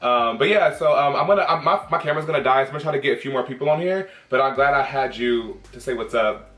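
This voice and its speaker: A man's voice: medium pitch, quick pace, fairly bright tone. A man from Oakland, a drag queen chatting casually with strangers in a sassy, chatty manner. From Oakland, California. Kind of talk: casual chat with strangers on video chat. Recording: roomy echo with music behind.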